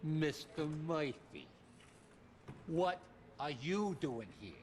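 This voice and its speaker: An actor playing an exasperated but concerned streetwise older friend, scolding colloquially in a video game. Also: male voice, fairly high pitch, very animated, slow, darkish tone. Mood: surprised. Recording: long reverberant hall, faint noise.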